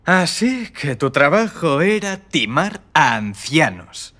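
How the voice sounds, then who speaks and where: A man's voice: a little high, very animated, takes it slowly, background noise, exaggerated voice. A man dubbing an anxious, earnest young ethics professor in a dubbed TV comedy, talking in a hesitant, fussy way. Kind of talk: Spanish TV comedy dub.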